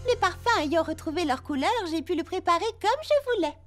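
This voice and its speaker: Very high, lively cartoon girl. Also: fairly quick, soft background music. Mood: cheerful. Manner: expressive, exclamatory. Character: cheerful, kind young cartoon girl. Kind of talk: French children's cartoon dub acting.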